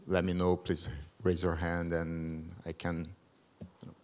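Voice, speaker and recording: A man's voice: sits low, monotone, darkish tone. A man in his thirties from Brazil, speaking English with a Brazilian accent as a second language. He gives a careful conference presentation at a podium mic, with frequent ums. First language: Portuguese. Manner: measured, careful non-native English with many ums. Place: large conference hall, at a podium. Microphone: podium microphone.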